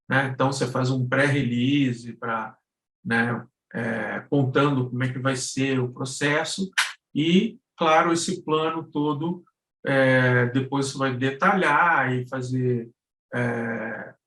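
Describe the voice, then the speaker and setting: A man's voice: mid-range voice, a bit bright. A man explaining things informally in a live lesson, often checking in with short tag questions. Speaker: guest instructor. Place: indoor room on an online live stream. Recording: roomy, echoing live-stream audio.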